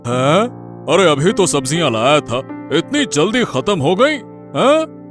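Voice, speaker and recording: A man's voice: a little high, very animated, a little slow, a bit bright, faint music behind. A man voicing an easygoing, good-natured village husband in a cartoon story who likes to tease. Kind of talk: cartoon voice acting.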